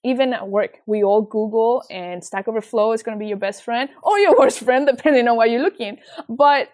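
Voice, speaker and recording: A young woman from Venezuela with a Venezuelan Spanish accent, talking as an interview guest with earnest, animated storytelling. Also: a little high, fairly quick. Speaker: guest, nonprofit founder. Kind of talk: casual interview chat.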